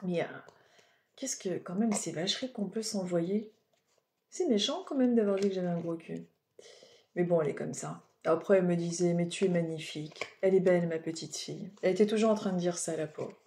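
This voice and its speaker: A woman's voice: lowish voice, fairly quick, dark tone, slight background noise. A woman with a French accent giving oracle card readings in a casual, rambling way, full of fillers and asides. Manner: chatty, rambling, digressive with many fillers. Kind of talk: casual spiritual guidance talk.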